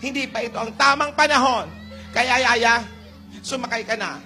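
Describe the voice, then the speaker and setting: A man's voice: extremely high pitch, moderate pace, bright, forceful tone, faint music behind, exaggerated voice. A man playing a worried, fussy elderly grandmother in a live comedy sketch, fretting dramatically and cooing at a baby. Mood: anxious. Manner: fretful, dramatic, shifts into soothing baby talk. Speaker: comic actor in a live street sketch.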